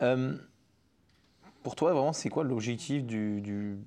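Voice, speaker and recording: A man talks at a moderate pace against a quiet background. His medium-pitched voice has a dark, mellow tone. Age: 20s. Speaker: podcast host. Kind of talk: interview. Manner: halting.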